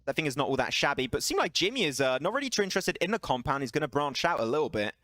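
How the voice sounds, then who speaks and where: A man casting an esports match alone, excitable and chatty, laughing and bantering with his stream chat between calls. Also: a little high, very fast, no echo, clean studio sound. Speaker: esports caster. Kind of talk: solo esports play-by-play commentary.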